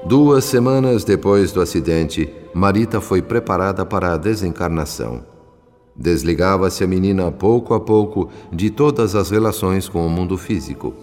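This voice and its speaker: Brazilian guy, solemn dramatic radio soap narrator, deep voice, music underneath. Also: darkish tone, in a large hall. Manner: measured, solemn, literary phrasing.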